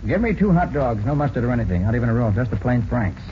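An American man playing a cool, confident private detective in a 1940s radio crime drama, brisk and matter-of-fact. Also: mid-range voice, very animated, lightly acted. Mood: assured. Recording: noisy, muffled 1940s radio recording.

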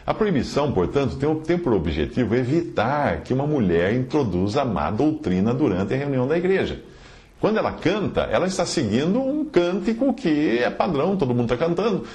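A man's voice: medium pitch, sing-song, brisk, a little mellow. A man answering a listener's letter on a podcast, emphatic and quoting scripture with chapter references. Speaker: Bible teacher answering a listener.

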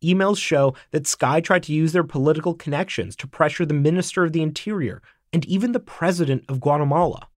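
A man narrating an investigative report in scripted, measured form. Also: fairly high pitch, no room sound, clean studio sound. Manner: measured, even delivery. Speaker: documentary narrator.

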